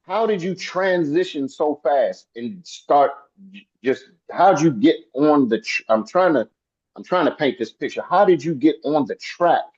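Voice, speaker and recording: A man's voice: medium pitch, a little mellow, breathy edge. Hype coach guy on a muffled video call, keeps repeating himself, fired up. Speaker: sales coach and meeting host. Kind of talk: hosting a group video call.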